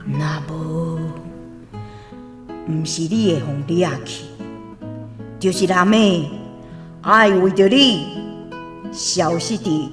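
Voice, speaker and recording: A woman's voice: on the low side, takes it slowly, long pauses, music in the background. A woman with a Taiwanese accent playing a solemn tribal elder in a radio drama. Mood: solemn warning. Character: solemn female tribal elder giving an ancestral warning. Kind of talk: slow radio drama dialogue.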